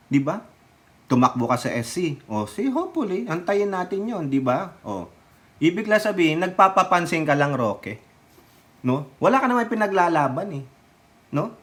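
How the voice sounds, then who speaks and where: A man's voice: sits high, a bit bright. A man giving casual political commentary on his vlog, mocking and taunting, mixing English phrases into his talk and laughing often between remarks.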